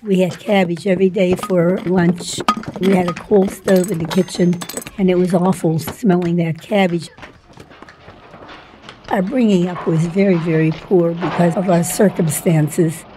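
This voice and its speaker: An older woman telling the story of her childhood in an oral history interview, slow and plain, with soft laughs. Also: fairly low pitch, steady tone, background noise.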